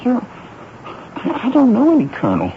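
Cringing young soldier-spy, radio drama: stammering, widely varied pitch, hesitant. Dull, hissy vintage broadcast. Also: male voice, wildly swooping pitch, moderate pace, exaggerated voice. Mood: anxious denial. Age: young adult. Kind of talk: 1970s radio drama acting.

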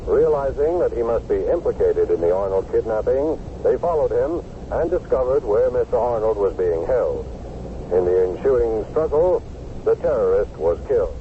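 An actor playing a formal news announcer who delivers a bulletin in a radio drama. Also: male voice, medium pitch, sing-song, moderate pace, narrow, tinny audio, close to an everyday voice. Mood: formal, urgent. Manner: formal, declarative. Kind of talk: radio newsreading within a drama. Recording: noisy band-limited old radio broadcast.

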